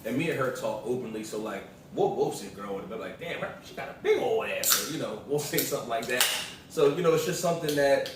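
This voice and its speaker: A man's voice: mid-range voice, big pitch swings, fast. An American man chatting casually as a co-speaker on a vlog, informal and emphatic in how he makes his points. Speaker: partner of the vlogger, co-speaker. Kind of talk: casual chat. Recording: very echoey room, distant mic, faint noise.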